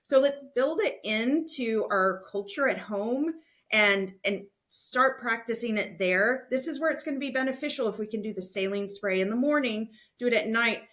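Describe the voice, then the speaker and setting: Female podcast host, higher-pitched voice; informal, instructive, reassuring delivery aimed at parents. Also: moderate pace, fairly bright tone. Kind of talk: explanatory podcast talk addressed to parents.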